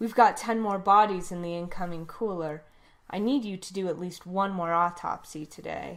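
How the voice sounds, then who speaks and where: In a put-on character voice, a woman sounds gruff at a medium pitch, with fairly even intonation and a moderate pace, on a very clean recording with a silent background. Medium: read story. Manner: gruff, teasing.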